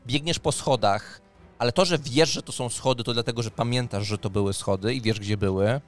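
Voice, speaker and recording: A man's voice: mid-range voice, a little fast. Man narrating a game, music behind. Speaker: game master. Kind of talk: narrating a tabletop role-playing game. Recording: music under the voice. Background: background music.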